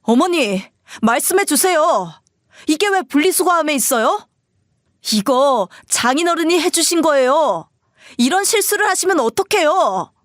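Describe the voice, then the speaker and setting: A woman's voice: high voice, animated, a little slow, no echo, studio quality, pitched above the performer's own voice. Brief: distraught young husband confronting his mother, insistent and pleading, voiced by a woman, storybook drama. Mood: pleading agitated. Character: upset adult son, pleading and agitated.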